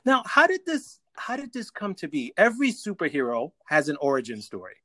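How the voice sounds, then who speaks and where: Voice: medium pitch, huge pitch swings, fairly quick, sharp tone, dry recording, studio quality. An interviewer who asks curious questions and often restarts before finishing them. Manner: curious, repeats openings before asking.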